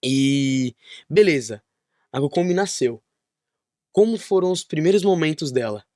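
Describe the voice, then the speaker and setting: A man's voice: fairly high pitch, expressive, a little slow, dark tone, dry recording. Male podcast host, supportive, conversational, dry studio sound. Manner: encouraging, finishes the guest's sentences. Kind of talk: casual interview chat.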